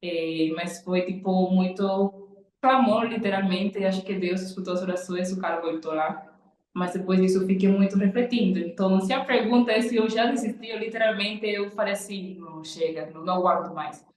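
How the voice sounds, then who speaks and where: A woman's voice: mid-range voice, steady tone, normal speed, a little mellow. A young Cuban woman, a nail designer, earnestly telling her personal story in an interview. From Cuba. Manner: earnest, repeats "literalmente" and "tipo". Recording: echoey room.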